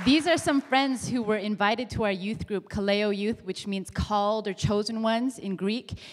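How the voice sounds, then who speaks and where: A woman has an unremarkable speaking voice, medium in pitch. She talks at a moderate pace with ordinary pitch variation. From Canada, British Columbia. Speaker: missionary youth worker. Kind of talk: church talk. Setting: church.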